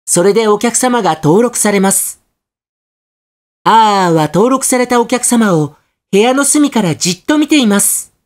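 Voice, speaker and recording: A man voicing an animated, polite product-guide narrator in a scripted reading. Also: sits high, normal speed, pitched above the performer's own voice.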